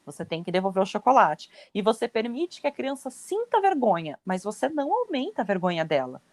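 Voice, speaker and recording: A woman's voice: mid-range voice, wildly swooping pitch, fairly quick, no room sound. Emphatic Brazilian woman, dry sound. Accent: Brazilian Portuguese. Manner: emphatic, acts out parents' voices, blunt. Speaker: podcast host, parenting educator. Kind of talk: explanatory podcast talk.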